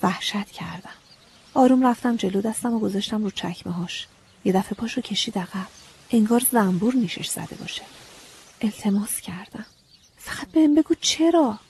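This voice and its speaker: A woman narrating an audiobook in the first person, in a breathy, often half-whispered and intimate way. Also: medium pitch, darkish tone.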